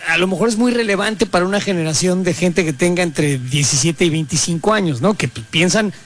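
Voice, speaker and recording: A man's voice: sits high, fairly quick. A man in his fifties with a Mexican accent, hosting crude comedic radio banter in a casual, slangy way. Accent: Mexican Spanish. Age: 50s. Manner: casual, swearing, slangy, laughing. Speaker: radio show host.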